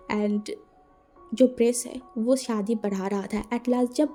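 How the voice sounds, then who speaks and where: A woman's voice: on the high side, dark tone. A woman casually retelling a fan-fiction story as a channel host, chatty and full of filler phrases.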